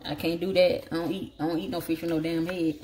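A woman's voice: lowish voice, level tone, quick pace, a little mellow. A woman with a Southern African American accent chats casually and folksily, thinking aloud as she cooks in a home kitchen. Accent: Southern African American English. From southern United States. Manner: folksy, salty, thinking aloud while working. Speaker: home cook. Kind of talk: casual cooking vlog chat. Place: home kitchen, indoors at the counter. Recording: noisy home recording with clicks.

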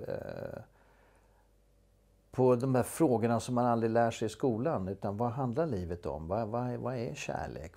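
A male actor, appearing as an interview guest, tells a story casually, hesitating often with plenty of fillers and restarts. His voice is fairly low, warm in tone, with vocal fry.

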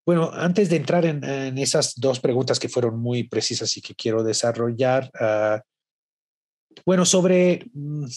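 A man in his fifties, from Italy with a Mexican Spanish accent, giving an animated academic talk over a video call from his home study, full of fillers and restarts. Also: mid-range voice, husky. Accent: Mexican Spanish over an Italian base. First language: Italian. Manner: animated, gestures a lot, many fillers and restarts. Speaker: invited lecturer. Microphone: webcam on a video call.

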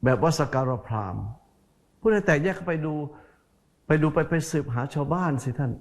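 Folksy Buddhist monk preaching. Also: male voice, on the high side, animated, moderate pace. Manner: folksy, repeats words for emphasis; speaks to listeners directly as "sir". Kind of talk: sermon.

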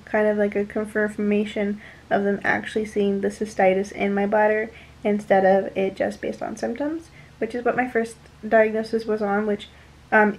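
A woman's voice: mid-range voice, rough recording. A young woman chatting casually in a home vlog, rambling with many fillers and a little out of breath. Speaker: vlogger.

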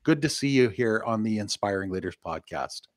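A man's voice: fairly low pitch, animated, fairly quick, no room sound, studio quality. An older man hosting a podcast over a video call from his home office, chatty and upbeat, laughing easily. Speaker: podcast host. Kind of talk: casual podcast chat. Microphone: studio mic on arm, video call.

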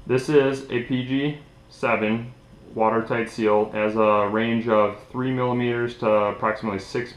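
Young man, echoey room, casual demonstration. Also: lowish voice. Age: young adult. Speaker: DIY tutorial host. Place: small indoor room at a table.

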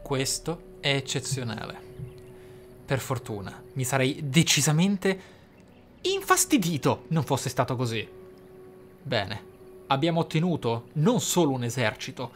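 A man commentating on his role-playing game playthrough, musing aloud theatrically with pauses for emphasis. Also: medium pitch, big pitch swings, slight background noise. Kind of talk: let's play commentary.

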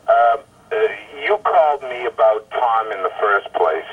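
An exasperated, profane man leaving rambling, irate voicemails over the phone, halting and stammering over repeated words. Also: on the low side, big pitch swings, fairly bright tone, slightly rough. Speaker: caller leaving voicemail messages. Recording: tinny, muffled telephone voicemail line.

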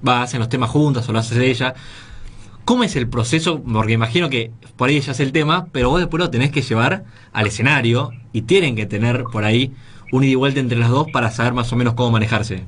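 A man with a mid-pitched voice hosts a casual interview. He asks relaxed questions and answers his guest with short agreeing replies. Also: fast. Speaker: interviewer, host.

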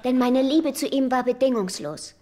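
An actress playing an unhinged, syrupy, jealous widow with a sweetly composed delivery in a dubbed sitcom. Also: female voice, high-pitched, moderate pace, dark tone, a faint crowd, close to an everyday voice. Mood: sweetly menacing. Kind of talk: dubbed sitcom dialogue, eulogy speech.

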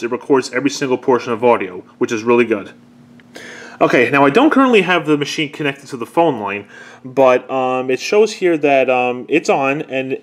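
Man giving a casual demonstration. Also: mid-range voice. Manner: conversational, explanatory, step-by-step. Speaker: presenter demonstrating an old answering machine. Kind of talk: casual unscripted product demonstration.

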